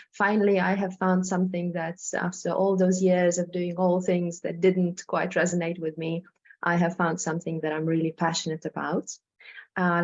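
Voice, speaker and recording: A woman's voice: on the low side, darkish tone, muffled recording. A woman from Poland with a Polish accent gives an informal presentation as a therapist, speaking hesitantly, repeating words and often checking in with the listener. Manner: hesitant, repeats words, tags sentences with "right?". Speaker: hypnotherapist presenting.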